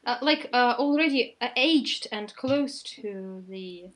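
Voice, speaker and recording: A woman in a relaxed group chat, playful and giggly, often searching for her words. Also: on the high side, takes it slowly, a crowd in the background. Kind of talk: casual chat.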